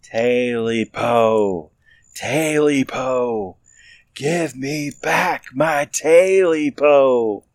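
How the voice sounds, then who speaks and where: A man voicing a short, stubby, clawed creature that chants slowly in a hissing, drawn-out voice. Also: mid-range voice, no echo, voice pushed up. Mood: eerie.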